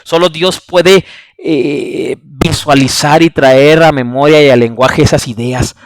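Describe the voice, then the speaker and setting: A man's voice: on the high side, fairly even intonation, slow pace, no room sound. A man delivering a blunt, scornful, preachy monologue as a channel host, cursing and tagging his points with rhetorical questions.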